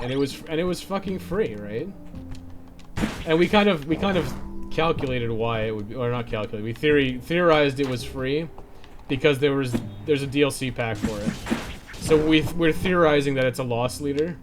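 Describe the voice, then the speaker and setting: A man's voice: medium pitch, moderate pace. A man chatting casually and informally, with some swearing, as he livestreams a video game. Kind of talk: casual chat while playing a game. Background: game music.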